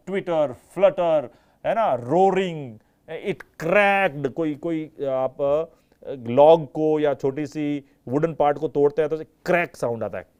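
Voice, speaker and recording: Indian guy teaching live online english class, mellow voice, switches hindi english, acts out the sound words. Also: on the high side. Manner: mixes Hindi and English, asks students questions, imitates sounds.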